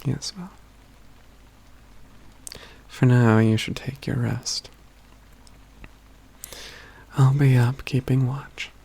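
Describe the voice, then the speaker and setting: A man playing a wry, self-assured, caring mage companion in a soft, breathy, near-whispered ASMR fantasy roleplay, with measured, formal phrasing. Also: medium pitch, fairly even intonation, heavily acted. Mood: gently reassuring.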